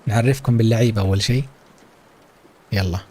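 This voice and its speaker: A man with a Saudi accent streams live and talks quickly to his viewers while they watch an esports match together. His voice is warm and mellow, and his mood is hyped and playful, full of chatty asides. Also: fairly low pitch, a little hiss or hum. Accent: Saudi Arabic.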